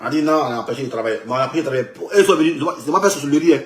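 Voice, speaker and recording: A man with an Ivorian accent delivering an animated, casual political rant, emphatic, mocking and repetitive. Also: mid-range voice, racing, echoey room.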